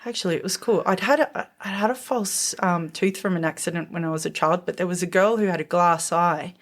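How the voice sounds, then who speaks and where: Reflective australian woman, lowish voice. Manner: thoughtful, pauses to recall details. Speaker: guest. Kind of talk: reflective interview storytelling.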